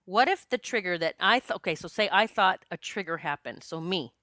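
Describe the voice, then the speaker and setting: A woman in her late forties talks through a solo podcast episode. She is chatty and expressive, and her voice is bright and forceful. The sound is dry and close, with no room echo. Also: fairly low pitch, brisk. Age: 40s. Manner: chatty and expressive, jokes with listeners. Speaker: podcast host and psychic medium.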